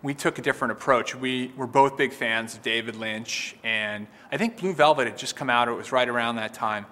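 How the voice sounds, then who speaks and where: A man who co-created a game, reflecting in a documentary interview, halting and repeating words as he thinks. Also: medium pitch, bright, forceful tone. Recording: reverberant room with faint music.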